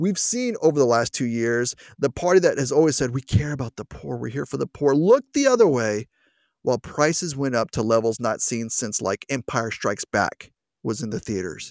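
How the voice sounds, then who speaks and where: An animated voice with ordinary pitch variation comes through a very clean recording with a silent background and a dry, close sound with no echo. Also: man, medium pitch for a man. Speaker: radio host. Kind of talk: angry political rant. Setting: radio studio broadcast. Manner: animated, sarcastic, fast and fired-up; self-mocking, conversational, with air-quote sarcasm.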